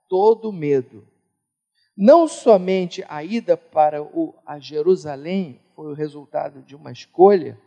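Man preaching, from brazil, high, mellow voice, long hall reverb, emphatic, loud then hushed. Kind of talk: sermon.

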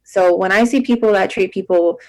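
A woman's voice: mid-range voice, brisk, darkish tone, low-quality recording. A young woman from Alberta, guest on a podcast interview, talking in a chatty, emphatic way with lots of fillers. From Alberta, Canada. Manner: chatty and emphatic, many "like" and "you know". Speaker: guest, marketing agency founder.

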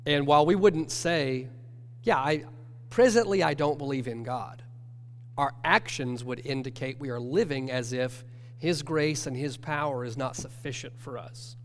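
A man, nasal from a cold, teaching a church class in an earnest, measured way. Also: medium pitch. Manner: earnest, measured, self-correcting. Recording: long hall reverb with faint hum.

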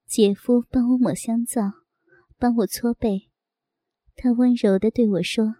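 Soft-voiced woman reading a story. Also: fairly high pitch, steady tone, unhurried, no echo, clean studio sound. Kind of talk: scripted first-person story reading.

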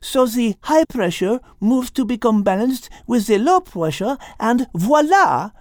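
A man voicing a brilliant, gentle female cat with a French accent, patiently explaining in a children's animal story. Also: extremely high pitch, animated, unhurried, no echo, studio quality, voice pushed up. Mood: patient, teaching.

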